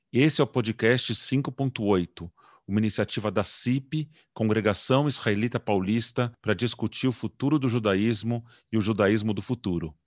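A man who hosts a podcast as a rabbi, opening with a measured scripted intro and then asking questions. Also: fairly low pitch, no echo, clean studio sound.

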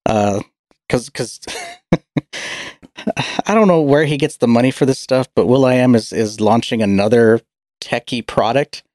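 A man co-hosting a podcast in casual chat, speaking haltingly and stuttering, with low energy. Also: a little mellow, dry recording, studio quality. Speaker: podcast co-host.

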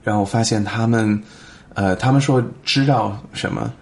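Low-voiced foreign man with accented Mandarin, gravelly. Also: moderate pace, a little hiss or hum. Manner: fluent, slips in English words. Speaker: podcast guest. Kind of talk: casual interview conversation in Mandarin as a foreign speaker.

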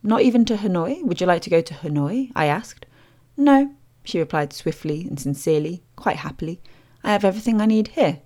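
In a studio voice-over, a woman host reads scripted documentary narration in a measured, descriptive storytelling style. Her voice is on the low side, expressive, and dark in tone.

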